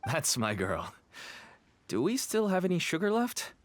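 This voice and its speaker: A man's voice: on the high side, huge pitch swings, a little slow, dry recording. A man voicing a weary middle-aged merchant father in a video game, speaking in an earnest, pleading way.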